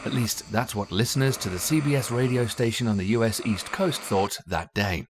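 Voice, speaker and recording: A man reading a scripted documentary narration in a measured, even storytelling manner. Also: on the low side. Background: faint background music.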